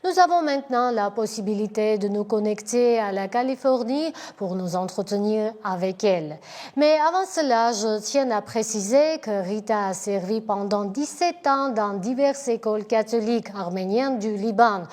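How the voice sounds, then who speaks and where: A woman host giving a formal introduction and asking interview questions in a measured way. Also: mid-range voice, darkish tone.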